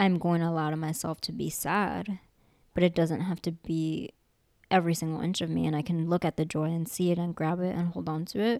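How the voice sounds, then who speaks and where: On a very clean recording with a silent background, a woman with an unremarkable speaking voice talks at a fairly quick pace, using fairly even intonation and a fairly low pitch. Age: 20s. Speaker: podcast host. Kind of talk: casual interview chat.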